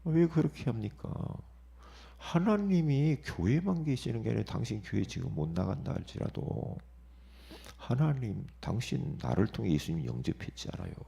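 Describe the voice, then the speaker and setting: A middle-aged male pastor preaching a dawn sermon, shifting sharply between hushed whispers and loud outbursts and often calling "예?" to the congregation. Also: on the low side, big pitch swings, moderate pace, creaky, husky. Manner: dramatic swings from whispers to shouts; asks the congregation "예?" for response.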